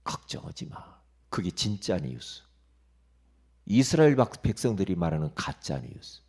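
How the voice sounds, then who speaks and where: A male pastor delivers an early-morning sermon in a low, slightly slow voice with a breathy edge. He is emphatic and lively, asks the congregation rhetorical questions, and drops into quiet asides.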